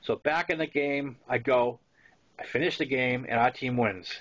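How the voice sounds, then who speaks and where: A man in his sixties with a Boston accent narrates a memoir in a mid-pitched voice. He tells it conversationally, like an author reading his own work with casual asides. The recording is dull and lo-fi. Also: normal speed, a bit bright. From Massachusetts, US. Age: 60s.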